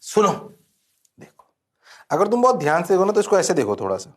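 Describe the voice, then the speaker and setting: A man teaching physics in an animated, playful exam-prep lecture, who teases his students and answers for them in a low mumble. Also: a little fast. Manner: playful, teasing, sings out exclamations; mimics students' replies in a low voice.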